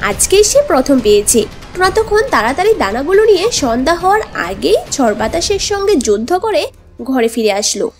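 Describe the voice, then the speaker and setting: A woman's voice: high-pitched, sing-song, moderate pace, a little mellow. A woman narrating a scripted cartoon story as the storyteller. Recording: music bed under the voice. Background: background music.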